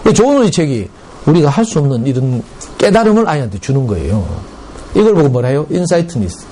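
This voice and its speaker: A middle-aged man with a Gyeongsang Korean accent lectures a room of parents at a school, telling stories with lively, dialect-colored asides. His voice sits fairly high and swings widely in pitch, with a mellow, warm tone. A faint room hum runs behind him. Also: fast talker. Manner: lively storytelling with dialect and acted quotes.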